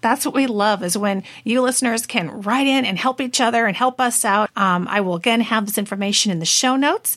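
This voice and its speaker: In an American accent, a woman with a plain, everyday voice and a fairly high pitch talks at a fairly quick pace with hardly any pauses, very even loudness, and ordinary pitch variation. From Washington State. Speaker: genealogy podcast host. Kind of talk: podcast interview. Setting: genealogy conference.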